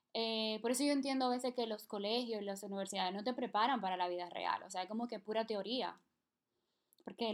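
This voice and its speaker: Fairly high in pitch, a woman's voice holds a fairly even intonation. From Dominican Republic, Santo Domingo. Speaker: illustrator and small business founder. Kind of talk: casual interview chat.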